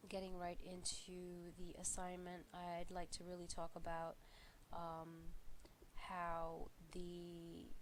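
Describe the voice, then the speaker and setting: A young woman giving a class video presentation, sounding congested from a flu and talking in a halting way full of fillers and restarts. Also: on the low side, slight background noise, poor audio. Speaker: student presenter.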